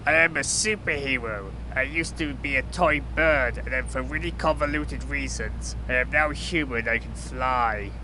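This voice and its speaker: A man playing a blunt, deadpan, flippant superhero in an amateur audio drama. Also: normal speed, few pauses, lightly acted. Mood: matter-of-fact. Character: blunt, flippant male superhero, once a toy bird. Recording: clearly noisy with low rumble.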